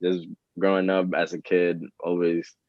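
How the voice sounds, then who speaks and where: A man in his twenties from the Dominican Republic, a rapper answering interview questions in a relaxed, hesitant way with many fillers. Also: deep voice, a little slow, no room sound. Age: 20s. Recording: dull, lo-fi, dry sound.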